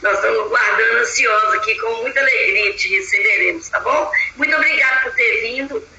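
Chatty affectionate woman host, high bright voice. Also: vocal fry, reverberant, highs cut off, a little hiss or hum. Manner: chatty and affectionate, drawn-out fillers. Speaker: group host. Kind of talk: casual hosting of an online group.

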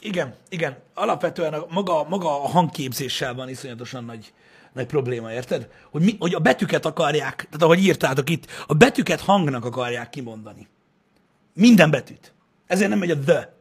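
A young man in casual chat, ranting, swearing and now and then shouting as he co-hosts. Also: on the high side, lively intonation, husky.

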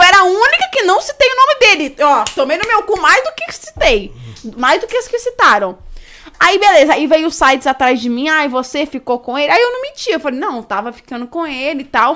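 A young woman with a high, bright voice tells her story as a podcast guest. Her pitch leaps all over as she talks. She swears freely and acts out each quoted line. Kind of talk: casual storytelling.

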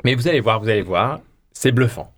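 A man's voice: medium pitch, lively intonation, brisk, a little hiss or hum. A man presenting a casual radio chronicle, jokey and self-mocking with frequent laughs, into a studio microphone. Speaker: podcast columnist.

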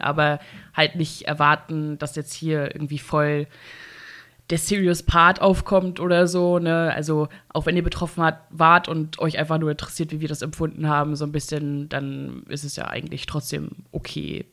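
A woman's voice: low-pitched, steady tone, normal speed, fairly bright tone. A woman hosting a podcast, chatting loosely and laughing, her voice slightly congested from a cold. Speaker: podcast host. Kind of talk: casual podcast chat.

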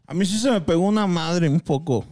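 A man's voice: on the high side, a little fast, dark tone. A man with a Sonoran Mexican accent, a guest chatting in laid-back, slangy podcast banter. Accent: Sonoran Mexican Spanish.

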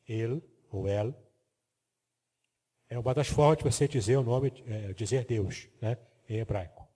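A man's voice: mid-range voice, brisk, warm tone, breathy edge. Didactic man in a hall. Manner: didactic, explains terms step by step, asks the listener to confirm. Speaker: Bible teacher. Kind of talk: biblical teaching lecture with slides.

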